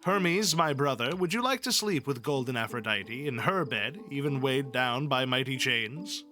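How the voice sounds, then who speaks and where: A man's voice: mid-range voice, animated, moderate pace, bright, forceful tone, faint music behind. A man voicing an amused, gossiping male god with playful declaiming in a storybook reading. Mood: teasing, lusty. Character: gossiping, amused male gods of Olympus, bantering. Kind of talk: storybook character voice.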